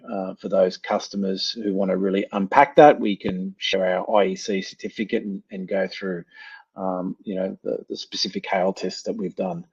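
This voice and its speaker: An Australian man with a husky, low-set voice explains things on a webinar, dotting his talk with ums and restarting words. The sound is dull and lo-fi, like web call audio. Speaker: company presenter. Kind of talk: webinar presentation and Q&A answers.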